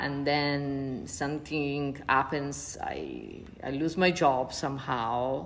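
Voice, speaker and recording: Audible room echo surrounds a woman speaking in an Italian accent at a very deep, low pitch. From Italy. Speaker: kundalini yoga teacher. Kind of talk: interview storytelling. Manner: halting, with fillers.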